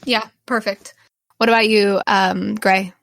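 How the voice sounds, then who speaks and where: A woman's voice: mid-range voice, little pitch movement, unhurried, gravelly, a bit bright, no echo, studio quality. A woman hosting as game master, narrating an improvised tabletop game. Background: background music.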